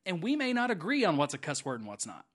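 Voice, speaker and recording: A man, a podcast host and former student pastor, chatting casually and telling animated stories, often tagging "right?" or "okay?" onto his points. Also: fairly high pitch, fast. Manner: animated storyteller, frequent "right?" and "okay?" tags. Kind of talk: casual chat.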